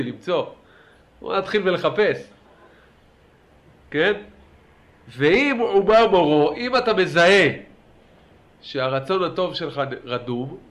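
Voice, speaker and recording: A man teaching a religious class in a lively lecture style, urging his listeners on and asking them questions. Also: on the high side. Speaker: Torah teacher.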